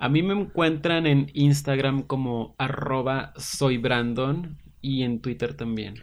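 The pace here is very slow. A man talks at a medium pitch. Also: ordinary pitch variation. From Tijuana, Mexico. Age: 20s. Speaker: podcast co-host. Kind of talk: casual chat.

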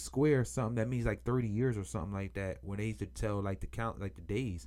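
A man is speaking. His tone is relaxed. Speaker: podcast host. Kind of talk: casual monologue. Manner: halting.

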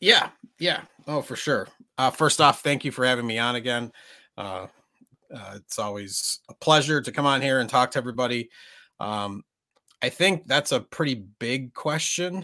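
A man with an American accent speaks at a moderate pace in a bright, sharp tone. He leaves long, frequent pauses. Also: medium pitch for a man, ordinary pitch variation, very clean recording, silent background. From Minnesota, US. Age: 40s. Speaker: media business owner. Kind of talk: casual chat. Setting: studio. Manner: talkative.

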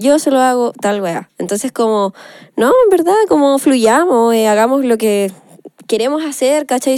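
Very clean recording, silent background. A woman with a high pitch speaks at a moderate pace with lively intonation. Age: 20s. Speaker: singer. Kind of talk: panel discussion.

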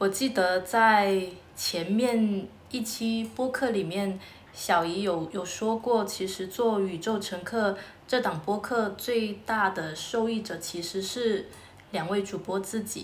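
A woman speaks very slowly at a medium pitch, with a southern Chinese accent. Audible room echo surrounds her voice. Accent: southern Chinese accent in Mandarin. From Chaoshan region, Guangdong, southern China. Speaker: office worker and podcaster, guest. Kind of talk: casual chat.

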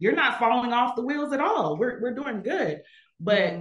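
Her voice is somewhat breathy. This woman's intonation is lively. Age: 30s. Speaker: single mother. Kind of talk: interview.

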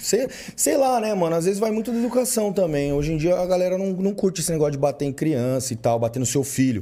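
A man's high-pitched, very fast voice with very wide pitch swings over noticeable background noise. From São Paulo, Zona Norte. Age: 30s. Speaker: bodybuilder. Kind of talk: casual interview.

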